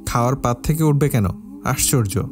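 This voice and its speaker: A man's voice: mid-range voice, normal speed, music in the background, natural voice. A man voicing a protective brother who speaks in a firm, curt way, in an audio storybook. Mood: stern. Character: protective brother, stern and short.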